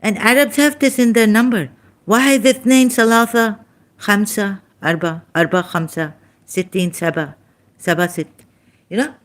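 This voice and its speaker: A woman with a Pakistani accent and Sindhi as her first language, giving an informal religious talk in halting, broken English with many restarts, tired and soft-spoken as she goes on. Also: medium pitch. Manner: tired, winded and soft-spoken in later part. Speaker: religious commentator.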